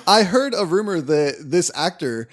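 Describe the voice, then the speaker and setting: A man's voice: high voice, expressive, moderate pace. A man co-hosting a podcast, recapping and commenting on a film in a casual, enthusiastic way. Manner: enthusiastic, often chuckling. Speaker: podcast co-host.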